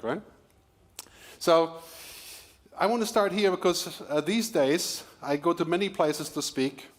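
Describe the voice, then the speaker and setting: A middle-aged man from Germany, giving a quick, energetic keynote to a live audience with small laughs and asides. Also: on the high side. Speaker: keynote speaker.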